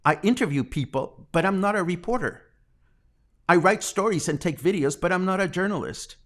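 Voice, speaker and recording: Earnest, defensive Mexican man, slightly high. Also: animated, normal speed, a bit bright. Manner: earnest and defensive, with fillers and restarts. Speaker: host of a daily live news show. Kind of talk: live-stream monologue.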